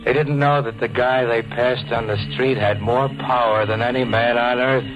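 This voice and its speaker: An actor playing a menacing, distrustful small-time hood with tough, slangy talk in an old-time radio crime drama. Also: male voice, lowish voice. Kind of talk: 1940s radio crime drama acting and narration. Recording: muffled old-time radio recording with music.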